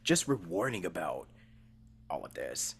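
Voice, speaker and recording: A man's voice: sits low, sing-song, a little slow, creaky, slight background noise. A man hosting a casual interview, talking in an informal, slangy, rambling way. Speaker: interview host and voice actor. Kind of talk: casual chat.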